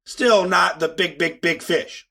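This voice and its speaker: A man's voice: high-pitched, steady tone, unhurried, creaky, pushed and bright, a little hiss or hum. A man co-hosting a casual podcast, stuffed up with a cold, speaking in an earnest, upbeat way. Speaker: podcast co-host.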